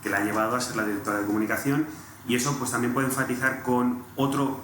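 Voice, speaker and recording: A man's voice: mid-range voice, level tone, quick pace, a bit bright. A young man with an accent from Spain, chatting casually as a podcast host and interviewer. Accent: Spanish (Spain). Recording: roomy echo, clearly audible background noise.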